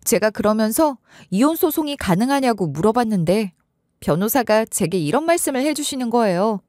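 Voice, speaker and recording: A woman narrating a true-life story in the first person, in a conversational, expressive way. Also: on the high side, normal speed, no room sound, studio quality.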